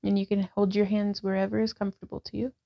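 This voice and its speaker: A woman in her thirties guides a yoga practice in a calm, gentle way, with a gravelly fry running through her mid-pitched voice. The recording sounds a little dull and lo-fi. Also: quick pace. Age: 30s. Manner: calm, gentle cueing with breath prompts. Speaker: yoga vlogger and instructor.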